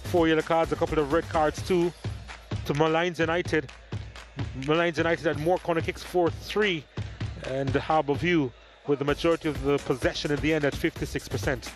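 A man commentating football match highlights in a lively, emphatic play-by-play manner. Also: moderate pace. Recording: voice-over with music underneath.

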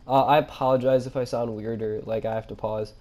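Congested young man commentating gameplay. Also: medium pitch. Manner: nasal, pauses for breath mid-sentence; excitable exclamations during fights. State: congested from a cold. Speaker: gaming channel host.

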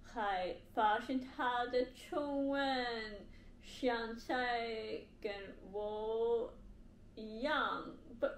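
Speaking Mandarin as a non-native learner, a young woman vlogs from her living-room sofa in front of a bare wall. Her accented voice is on the high side, and her casual talk to camera is halting as she gropes for words. The recording sounds echoey, with a faint hiss underneath.

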